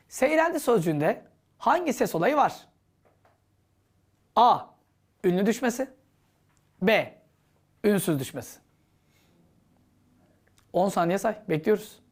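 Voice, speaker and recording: A woman teaches an exam-prep grammar lesson with a very lively, swooping voice that rises and falls constantly. She poses questions to herself and answers them, mixing instruction with playful classroom banter. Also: medium pitch.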